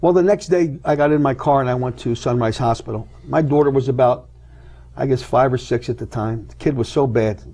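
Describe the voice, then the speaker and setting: In a TV studio, a middle-aged male talk show guest tells an emotional personal story in a medium-pitched, dark voice at a fairly quick pace. He tells it dramatically, acting out each person's lines.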